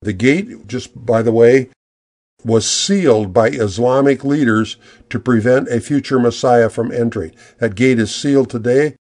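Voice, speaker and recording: A man preaching a verse-by-verse sermon to his congregation, reading scripture and stirring up the excitement of the story. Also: mid-range voice, measured pace. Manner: earnest, builds excitement retelling the crowd. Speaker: pastor. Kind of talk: expository sermon.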